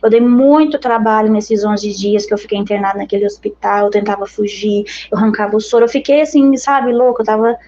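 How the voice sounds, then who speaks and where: A woman's voice: mid-range voice, steady tone, brisk, few pauses, mellow, highs cut off. A woman missionary with a Brazilian accent giving an earnest, conversational religious testimony to her brothers and sisters in faith.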